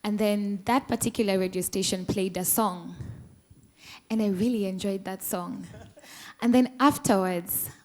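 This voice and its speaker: A woman's voice: medium pitch, measured pace. A woman speaking as a musician on a panel, earnest and impassioned. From Kenya. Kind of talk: panel discussion remarks.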